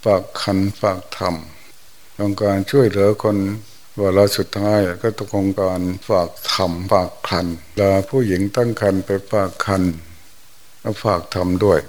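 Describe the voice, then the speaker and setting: Older monk, low folksy sermon. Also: male voice, steady tone, a little mellow. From Thailand. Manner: folksy, unhurried storytelling with exclamations. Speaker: monk giving a Dhamma talk.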